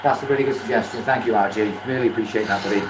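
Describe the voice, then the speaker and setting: A man's voice: fairly even intonation, racing. A man with a Welsh accent chatting casually on a livestream while he works, often repeating phrases for emphasis. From Wales. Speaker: live streamer, beginner woodturner. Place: indoor woodturning workshop. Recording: echoey workshop, loud machinery noise. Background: lathe motor rumble.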